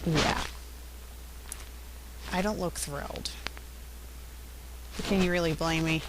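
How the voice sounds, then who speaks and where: A woman's voice: deep voice, steady tone, slow pace, background noise. A woman hosting a casual, off-the-cuff commentary on her own web show, chatty and openly opinionated. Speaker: web show host and critic.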